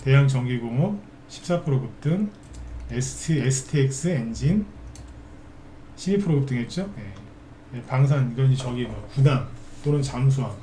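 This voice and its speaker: Mellow-voiced guy doing live stock commentary, chatty, keeps asking "right?", echoey room, faint hum. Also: mid-range voice, lively intonation, moderate pace. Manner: chatty, asks tag questions and answers himself. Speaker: stock market broadcaster.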